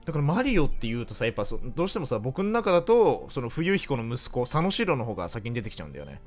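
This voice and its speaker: A man's voice: medium pitch, wildly swooping pitch, quick pace, soft background music. A man giving casual, joking commentary while playing a video game, teasing and talking to himself and his viewers. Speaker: game streamer. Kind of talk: joking let's-play commentary.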